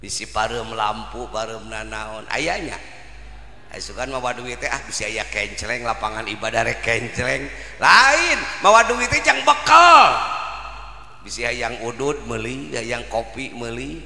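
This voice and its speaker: Man, Islamic preacher, animated sermon, shouts, long hall echo. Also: medium pitch, normal speed. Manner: animated, exhorting, breaks into shouts. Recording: echoey reverberant hall.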